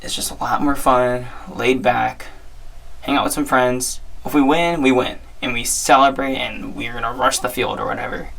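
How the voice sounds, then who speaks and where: A hoarse young man hosting his own podcast, giving chatty, upbeat sports talk with frequent restarts. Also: mid-range voice, fairly even intonation, moderate pace, a bit bright. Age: young adult. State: hoarse, strained voice. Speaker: podcast host. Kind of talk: casual solo sports talk.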